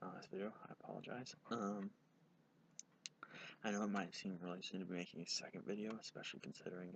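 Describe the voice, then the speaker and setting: A man mumbles quietly at a fairly low pitch. His pace is fairly quick and his intonation fairly even. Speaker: wrestling commentary vlogger. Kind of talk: casual monologue. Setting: outdoors at night. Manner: mumbling.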